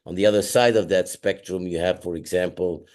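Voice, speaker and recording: A man's voice: low voice, fairly even intonation, brisk, a little mellow. A middle-aged man, a company chairman, giving a shareholder update while under the weather, speaking hesitantly with many fillers and restarts.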